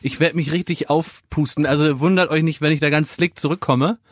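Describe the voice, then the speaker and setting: A man's voice: a little high, fairly even intonation, brisk, no room sound, clean studio sound. A man chatting in casual comedic banter, slangy and joking.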